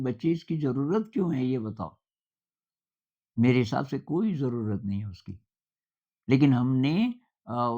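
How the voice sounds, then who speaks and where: An older man giving an informal talk, speaking in a conversational, anecdotal way with thoughtful pauses. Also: mid-range voice, darkish tone, dull audio.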